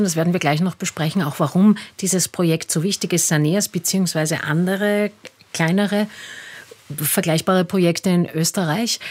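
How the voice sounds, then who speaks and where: Radio host woman, low and husky, measured. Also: a little mellow. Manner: measured, scripted questions. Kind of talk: radio interview.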